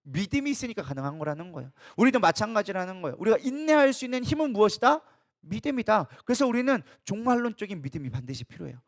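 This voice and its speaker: A man's voice: sits high, very animated, fast. A male co-lead pastor preaching a midweek sermon, emphatic and full of rhetorical questions that he answers himself. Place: church.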